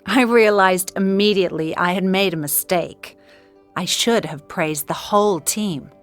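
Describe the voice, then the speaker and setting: A woman reading scripted accounts for an English listening exercise, in a clear, even narrating manner. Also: mid-range voice, a little slow, soft background music. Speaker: textbook audio speaker.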